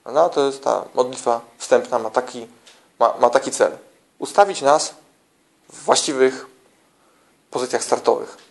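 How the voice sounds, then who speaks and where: A man talks informally to church small-group leaders, teaching in a conversational style full of restarts and slang, and checking in with tag questions. His voice is medium-pitched and gravelly, a bit slow, with frequent pauses.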